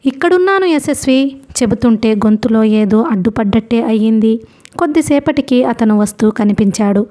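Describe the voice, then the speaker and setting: Mellow-voiced woman reading a novel aloud. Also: on the high side, steady tone, moderate pace. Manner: reads a novel aloud, voicing characters in her own voice. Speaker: audiobook narrator. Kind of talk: storybook narration.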